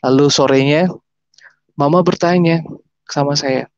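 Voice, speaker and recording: A man's voice: on the high side, fairly even intonation, a little slow. A man in his thirties with a Makassar Indonesian accent, telling his personal testimony in a rambling way, with restarts and fillers. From South Sulawesi, Indonesia. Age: 30s. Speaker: guest sharing a testimony. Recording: dull lo-fi sound.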